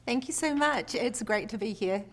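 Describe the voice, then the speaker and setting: Nz woman filmmaker, kinda high voice, earnest and thoughtful, lots of ums. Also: normal speed. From New Zealand. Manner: thoughtful, earnest, with fillers and laughs. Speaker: film director, guest. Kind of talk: interview. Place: indoor venue.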